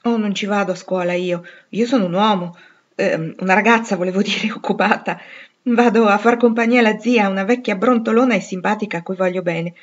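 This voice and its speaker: Woman reading a bold chatty teen girl, eager and loud-ish, slightly dull lo-fi sound. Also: mid-range voice, a little fast, close to an everyday voice. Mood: lively. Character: frank, lively tomboyish teenage girl.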